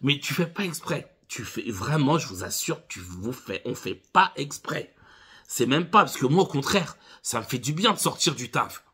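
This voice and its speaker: This driving instructor, in his thirties, has a medium-pitched voice with a breathy edge and talks at normal speed. Casually storytelling to camera, he delivers animated, funny anecdotes and calls his audience "les gars."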